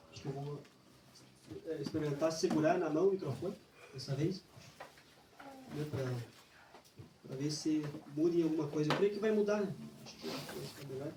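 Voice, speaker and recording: A soft-spoken man with a fairly high pitch, a fairly quick pace, long and frequent pauses, big swings in loudness and ordinary pitch variation, amid audible room echo and noticeable background noise. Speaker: lay preacher. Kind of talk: sermon. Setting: church.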